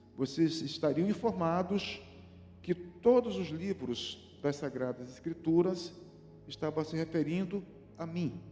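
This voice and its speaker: Speaking at a fairly slow pace, a man has a fairly high pitch, ordinary pitch variation and a normal speaking voice. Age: 60s. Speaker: pastor. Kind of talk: sermon.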